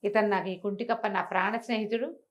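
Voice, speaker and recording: A woman storyteller playing a kind, polite young male hero of a bedtime tale, speaking gently and considerately. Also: medium pitch, fairly even intonation, fast talker, close to an everyday voice. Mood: kindly. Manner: soft-spoken, considerate.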